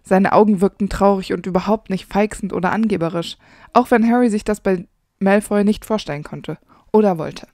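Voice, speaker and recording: A podcast co-host in a mid-range voice reads fan fiction aloud and slips into soft whispers for the dialogue. The recording is dry and close-miked. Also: female voice, mid-range voice, brisk, dry recording.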